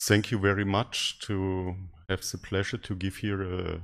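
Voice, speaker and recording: Recorded very cleanly with a silent background, a man speaks with a very deep, low pitch in a German accent. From Swabia, southern Germany. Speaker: keynote speaker. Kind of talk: conference presentation.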